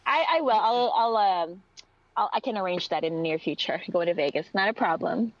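A woman's voice: lowish voice, brisk, highs cut off, slight background noise. A young woman from the Philippines, a native Tagalog speaker with an American accent, chatting as a podcast guest, giggling and repeating her words as she searches for them. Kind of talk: casual interview chat.

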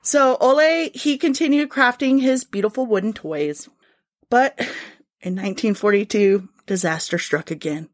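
A woman's voice: medium pitch, normal speed, no echo, clean studio sound. A woman hosting a podcast, telling a history story in a casual, chatty way, now and then swearing and laughing. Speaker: podcast host.

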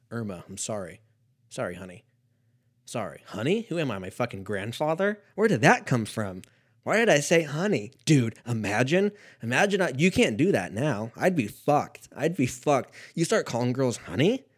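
A man in his thirties hosting a casual solo comedy podcast, rambling and swearing, often dropping to a mumble before jumping to loud quips. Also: mid-range voice, very animated, moderate pace, breathy edge. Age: 30s. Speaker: podcast host.

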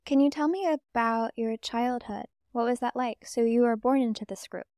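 A woman interviewing a guest, asking gentle, curious questions. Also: on the high side, normal speed, clear, resonant tone, no room sound, studio quality.

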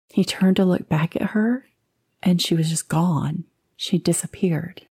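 A woman's voice: lowish voice, warm tone, breathy edge. A woman with a Southern US accent hosting a podcast, telling a true ghost story in a casual, conversational way with asides and the odd whisper. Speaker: podcast host.

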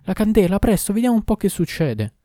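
A man voicing a frantic male doctor in a storybook reading, crying out loudly in alarm. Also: big pitch swings, fairly quick, dry recording, studio quality. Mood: panicked. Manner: loud, high-strung cries.

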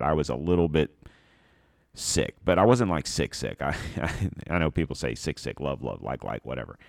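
A man's voice: rumbling low, creaky, dry recording, clean studio sound. A man hosting a podcast, giving blunt, sarcastic political commentary in a rambling way with many fillers, a little stuffed up. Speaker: podcast host.

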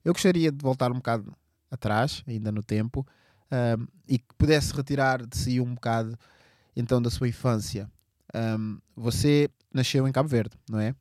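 Mellow-voiced male podcast host. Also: medium pitch, moderate pace, dry recording, clean studio sound. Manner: formal, courteous address. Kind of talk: conversational interview.

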